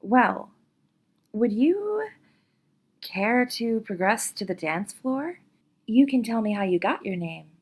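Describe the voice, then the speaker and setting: Woman playing slow-talking, flirty dance guest. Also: on the high side, big pitch swings, husky, full character voice. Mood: flirty, amused. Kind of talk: audio romantic comedy acting.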